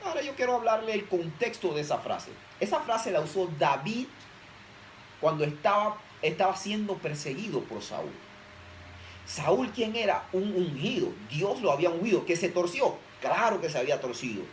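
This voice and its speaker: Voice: medium pitch, very animated, moderate pace, a little hiss or hum, rough recording. A preacher giving an emphatic sermon, often posing rhetorical questions to the audience.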